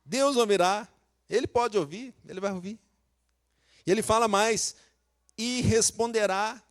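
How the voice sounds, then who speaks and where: A man's voice: high voice, measured pace. A Brazilian man from Minas Gerais preaching a sermon as pastor, talking conversationally, asking the congregation questions and acting out quotes. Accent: Brazilian Portuguese, Minas Gerais.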